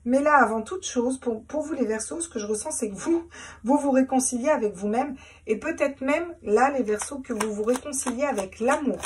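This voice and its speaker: A woman's voice: high-pitched, normal speed, recorded from a distance, a little hiss or hum. A woman doing a casual tarot reading, chatty, repeating herself and laughing at her own jokes. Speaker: tarot reader.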